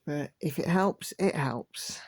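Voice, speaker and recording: A woman talks at an unhurried, easy pace, her voice settling into a low gravelly fry. The sound is close and dry, with no room around it. She chats gently from home as a crafting vlogger. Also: dry recording. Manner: slow, gentle, relaxed chatter. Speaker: cross-stitch vlogger. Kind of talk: casual chat while stitching.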